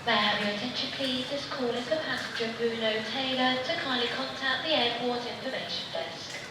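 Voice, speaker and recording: A woman making a formal, polite paging call over an airport public address loudspeaker. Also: fairly high pitch, brisk. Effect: airport public address loudspeaker announcement. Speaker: airport announcer. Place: airport terminal. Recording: echoey loudspeaker in a noisy terminal.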